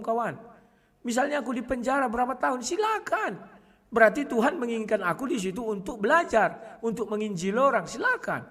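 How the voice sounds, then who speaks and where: A man speaking casually to his viewers in a combative way, often clearing his throat. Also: very high voice, a bit bright, long reverb tail. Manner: combative, addresses listeners as "kawan", frequent throat clearing. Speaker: online video host.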